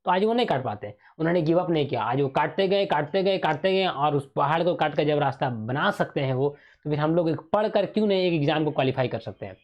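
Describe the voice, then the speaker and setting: A man's voice: on the high side, lively intonation, fast talker, dull audio. A male teacher giving an exam revision lesson in speech, who keeps asking questions and answering them himself, repeating the key terms.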